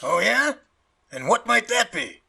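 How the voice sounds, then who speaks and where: An actor playing a genial, polite research professor in an audio drama, with a raspy voice and hearty, emphatic delivery. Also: male voice, high voice, big pitch swings, a little slow, crowd noise, full character voice. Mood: courteous.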